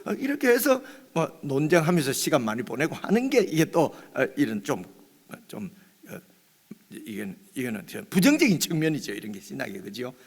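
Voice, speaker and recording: A male pastor giving a dawn prayer meeting sermon in a conversational way, often checking with his listeners and pausing on fillers. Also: mid-range voice, sing-song, gravelly, husky, long reverb tail. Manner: conversational, often asks "right?"; hesitant, many fillers and restarts.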